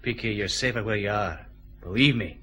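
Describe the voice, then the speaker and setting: An actor playing a firm, brisk detective chief inspector questioning people in a radio drama. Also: male voice, on the low side, pushed and bright, a little hiss or hum. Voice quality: terse, questioning. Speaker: police detective.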